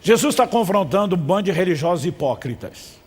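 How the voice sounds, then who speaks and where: Male pastor, fairly high voice, emphatic sermon with call-and-response, long hall reverb. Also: sing-song, a little fast, darkish tone, slightly rough.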